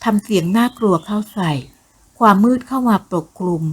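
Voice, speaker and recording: A woman narrating a dramatic audiobook novel in a steady storytelling voice. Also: mid-range voice, normal speed, husky.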